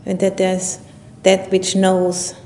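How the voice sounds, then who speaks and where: A woman leading a guided meditation as a Buddhist teacher, speaking in unhurried, halting phrases with long pauses. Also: completely flat delivery, a little mellow. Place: retreat session at a monastery or retreat center. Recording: low rumbling background noise.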